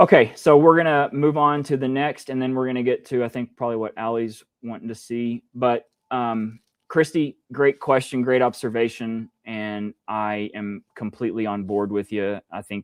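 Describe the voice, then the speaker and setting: Speaking with an American accent, a man uses medium pitch and ordinary pitch variation. His pace is moderate. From Texas. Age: 40s. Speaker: podcast host. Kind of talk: casual discussion.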